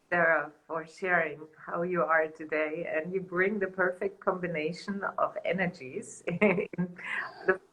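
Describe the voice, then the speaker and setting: A woman from Germany speaks in a low, unhurried voice. She shares as a spiritual teacher in a soft, earnest way, with light laughs between thoughts. Her English is careful and reflective. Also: rough recording. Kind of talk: reflective talk in a panel conversation.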